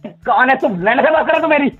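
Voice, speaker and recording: Angry, husky man on a muffled phone. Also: very high-pitched, expressive, a little fast, faint music behind. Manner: angry, shouting, insistent. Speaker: prank call victim on the phone.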